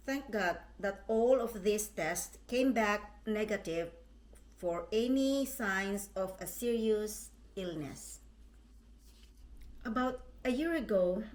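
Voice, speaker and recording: Woman, middle-aged, vlog host, slow unhurried reading, careful prepared statement, mid-range voice. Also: medium pitch. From Philippines. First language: Tagalog.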